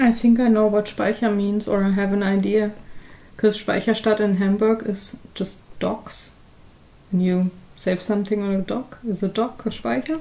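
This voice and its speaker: A woman with a German accent, medium-pitched, at a moderate pace and with fairly even intonation. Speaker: board game podcast co-host. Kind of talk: casual chat. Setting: studio.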